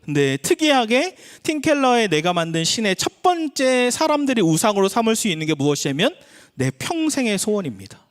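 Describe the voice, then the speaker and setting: Pastor, male, 30s, raised voice, animated sermon delivery with conversational asides. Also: a little fast. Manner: conversational preaching, acts out quoted voices with shifts in pitch. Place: church sanctuary.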